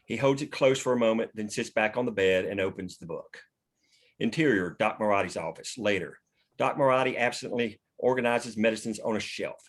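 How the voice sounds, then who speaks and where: A man narrating the stage directions of a screenplay at a table read. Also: lowish voice.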